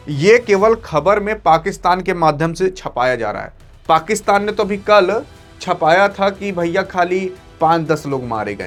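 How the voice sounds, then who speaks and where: A high-pitched man delivers online news commentary in an emphatic, dramatic way, pressing each point on his listeners. Faint music runs softly under his voice throughout. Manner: dramatic, emphatic, talks straight to viewers. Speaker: news video host. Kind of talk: excited news commentary to camera.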